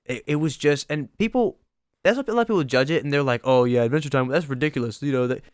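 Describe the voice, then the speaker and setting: An excitable young man co-hosting a podcast, tripping over his words and circling back as he talks. His voice sounds smooth and clear, recorded close and dry with no room around it. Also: fast, no echo. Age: young adult. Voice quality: higher voice. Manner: excitable, rambling with many restarts. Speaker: podcast co-host. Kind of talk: casual chat.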